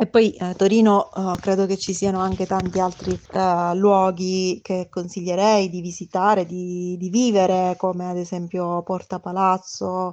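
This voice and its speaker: The background is quiet. A woman at a medium pitch speaks at a fairly slow pace. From Sicily. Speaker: university staff, volunteer. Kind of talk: interview testimony.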